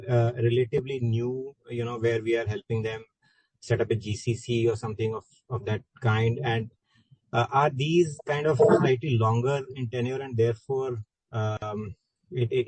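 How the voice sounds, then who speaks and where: A man with an Indian accent and a mid-pitched voice poses questions as an analyst. He is hesitant and repeats himself as he goes. The sound is very dry, with no room to it. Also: darkish tone, dry recording, low-quality recording. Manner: hesitant, halting, repeats words. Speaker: analyst asking questions on earnings call. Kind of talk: spontaneous questioning.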